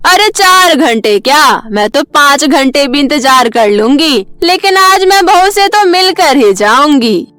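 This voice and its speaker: A woman's voice: sits high, expressive, a little slow, hardly any pauses, no room sound, soft background music, pitched above the performer's own voice. A woman voicing a nosy, mocking older neighbor woman in a cartoon story. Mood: insistent. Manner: taunting, loud, gossipy.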